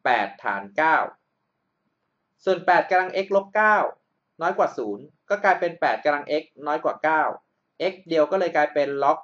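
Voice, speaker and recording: A male math tutor talks through a problem on a screen recording, patient and methodical, often checking that the listener is following. His voice sits a little high for a man. The audio is dull and lo-fi, like a cheap desktop mic. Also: normal speed, a bit bright. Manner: patient, explains step by step and checks understanding.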